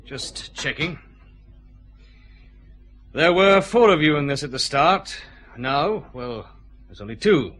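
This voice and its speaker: A commanding Scottish chief inspector in a radio drama, with a bright, forceful tone. His clipped orders rise and fall with lively pitch. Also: slow pace, long pauses, heavily acted. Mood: stern. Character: male Glasgow detective chief inspector, commanding.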